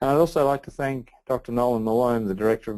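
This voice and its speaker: In an Australian accent, a man talks with a dark, mellow tone and fairly even intonation. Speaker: professor. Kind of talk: lecture. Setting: video call. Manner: halting.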